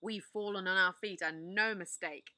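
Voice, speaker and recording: A woman's voice: mid-range voice, steady tone, normal speed, sharp tone, no echo, close to an everyday voice. A woman voicing an enthusiastic, confident eldest boy in a storybook reading. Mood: eager. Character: eager, bossy eldest boy.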